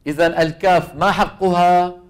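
A man with a Levantine Arabic accent gives a recitation lesson in a fairly high voice. He keeps asking his class questions and then answers them himself. He also repeats each sound aloud to demonstrate it. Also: steady tone, moderate pace. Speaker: Quran recitation teacher. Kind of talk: classroom lecture on tajweed.

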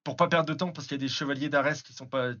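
A man's voice: on the high side, steady tone, very fast, sharp tone, lo-fi sound. A man improvising narration as game master of a tabletop role-playing game, often repeating words and phrases.

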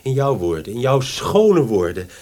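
A man's voice: mid-range voice, sing-song, unhurried, mellow. An actor playing a sleepless, lovesick young man in a radio play, pleading and self-absorbed in a dramatic way. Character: sleepless, lovesick, melodramatic young male visitor. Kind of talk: Dutch radio play acting.

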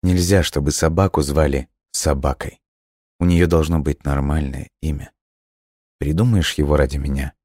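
A man voicing a gentle, dying ghost boy who speaks softly and wearily in a hushed, breathy voice. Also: extremely low pitch, fairly even intonation, moderate pace, no echo, studio quality. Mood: tender, hushed.

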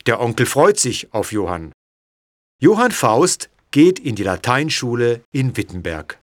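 A man reading an audiobook story in a clear, measured way. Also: medium pitch, big pitch swings, no room sound, studio quality. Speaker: narrator. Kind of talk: scripted audiobook narration.

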